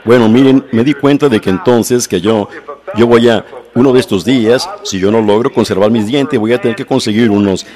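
A man delivering a sermon in a slow, measured storytelling manner, often repeating and restarting words. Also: medium pitch, darkish tone. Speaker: preacher. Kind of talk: sermon in Spanish translation.

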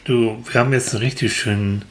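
A man's voice: mid-range voice, steady tone, fast talker, slight background noise. A man talking patiently and encouragingly, explaining things as a mentor to a child character in a children's audio series. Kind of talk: improvised, reassuring talk to a child character.

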